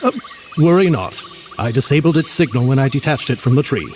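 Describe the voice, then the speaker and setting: An actor playing a courtly, erudite mutant scientist in an audio drama, with a verbose, formal and genial manner. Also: male voice, mid-range voice, animated, a little fast, noisy background, lightly acted. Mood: genial, pompous.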